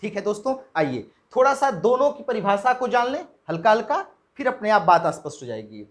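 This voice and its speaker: A man giving a Hindi lesson in lecture style, asking his own questions and answering them, pausing to check in after each point. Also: high-pitched, sing-song. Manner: drills example words slowly one by one. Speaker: Hindi teacher.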